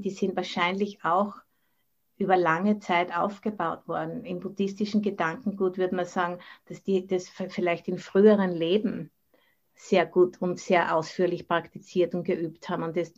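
A woman's voice: lowish voice, a little mellow. A middle-aged woman with an Austrian German accent gives an informal dharma talk as a Buddhist teacher, dropping English words into her German. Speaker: Buddhist nun and meditation teacher. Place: online video call from the monastery. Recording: dull, band-limited video call audio.

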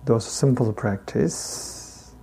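Buddhist teacher guy, thick tibetan accent, really slow and halting, soft dark relaxed voice, informal dharma talk. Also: mid-range voice, vocal fry, slightly rough, low-quality recording. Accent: heavy Tibetan. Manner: halting, deliberate phrasing.

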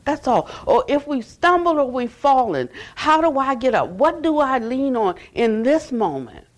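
An older woman gives a dharma talk at a retreat center, her voice sitting high. She tells stories in a loose, animated way, often restarting her sentences and adding "you know". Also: a little slow. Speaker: Buddhist teacher. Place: retreat center meditation hall.

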